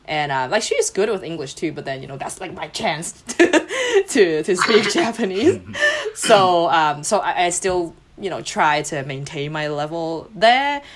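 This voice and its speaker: A woman's voice: on the low side, big pitch swings, a little slow, few pauses. A young woman whose first language is Cantonese, a podcast guest chatting casually and laughing often mid-sentence. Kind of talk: casual chat.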